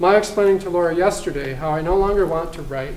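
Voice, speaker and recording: Speaking at a fairly quick pace, a man uses a high pitch and fairly even intonation. Noticeable background noise and audible room echo fill the recording. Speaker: writer. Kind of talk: author talk; reading aloud. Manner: monotone.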